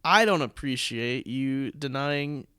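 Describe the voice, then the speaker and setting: A man's voice: mid-range voice, lively intonation, slow pace, sharp tone, smooth, no room sound, studio quality. A man speaking as a guest in a casual, conversational podcast. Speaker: podcast guest, stage actor.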